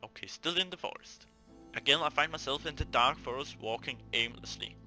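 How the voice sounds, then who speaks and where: A man's voice: medium pitch, fairly quick, bright, forceful tone, faint music behind. A man hosting a gaming video, reading a visual novel aloud theatrically, stumbling over words and talking to himself between lines.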